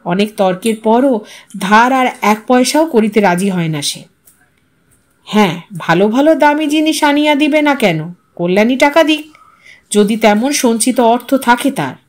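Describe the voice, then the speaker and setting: A woman storyteller giving an expressive, literary narration of an audio story. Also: on the high side, a little slow.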